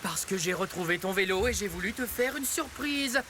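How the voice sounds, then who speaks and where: A man's voice: sits high, expressive, normal speed, background noise. A man voicing an eager, well-meaning teenage boy in a French cartoon dub, speaking earnestly. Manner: earnest, apologetic.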